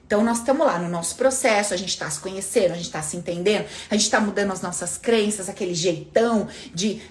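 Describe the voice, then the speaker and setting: A woman's voice: medium pitch, fast. A woman hosting a live stream, telling stories in a casual, motivational way and acting out the voices she quotes. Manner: animated storyteller, acts out quoted voices; informal and chatty, calls listeners "minha filha" and "menina".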